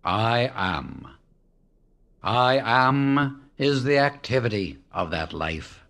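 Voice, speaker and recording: A man reading a devotional book aloud as an audiobook narrator, in a measured, reverent way with long pauses. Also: mid-range voice, very animated, vocal fry, fairly bright tone. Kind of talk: slow, solemn reading of devotional text.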